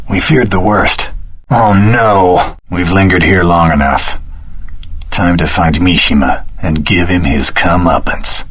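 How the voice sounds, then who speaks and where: A deep, husky earnest swordsman hero. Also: fairly bright tone, heavily acted. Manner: earnest, dramatic delivery. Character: earnest, determined young swordsman hero, wry and exasperated. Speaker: video game voice actor. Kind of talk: dramatic action-game character dialogue.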